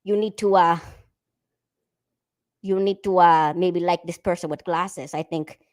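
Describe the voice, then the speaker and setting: Chatty, coaxing phone-prank persona played by a woman, exaggerated fake foreign accent, halting and repetitive, casual livestream delivery. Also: lowish voice, fairly even intonation, darkish tone, close to an everyday voice. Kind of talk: casual livestream chat in a put-on voice.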